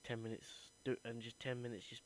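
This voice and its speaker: Earnest young man, flat delivery. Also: mid-range voice, a little fast, slight background noise. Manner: earnest, thinking aloud. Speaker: acting student. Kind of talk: reflective voice diary.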